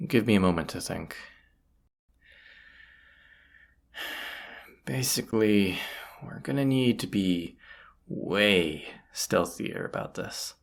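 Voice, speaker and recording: A performer playing a roguish bandit leader in a fantasy audio roleplay, grumbling yet confident, with folksy, sardonic muttering to the listener. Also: low-pitched. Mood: determined, scheming.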